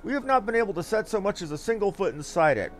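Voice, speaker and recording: An earnest expedition scholar from a fantasy game, acted out by a man. The voice sits high and moves around a lot, and the phrasing is courtly, wordy and archaic. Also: animated, fast, faint music behind. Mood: courteous, regretful. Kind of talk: fantasy game dialogue read aloud.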